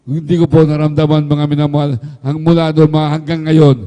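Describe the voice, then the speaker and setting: A man's voice: on the high side, level tone, a little fast, mellow, big-room sound. A middle-aged man giving a fervent testimony at an overnight prayer service, often addressing the congregation. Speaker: church member giving testimony.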